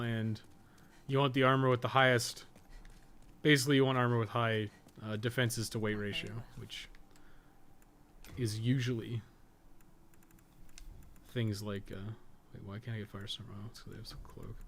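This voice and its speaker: A man giving casual live gameplay commentary as a guide host, explaining things in a relaxed, sweary way. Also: mid-range voice, slight background noise. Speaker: game streamer and guide host.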